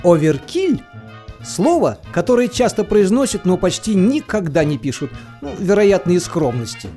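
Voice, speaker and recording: A woman's voice: fairly low pitch, sing-song, moderate pace, mellow, faint music behind. A woman playing a mock-serious reader of a nautical dictionary, explaining terms expressively in an audio play.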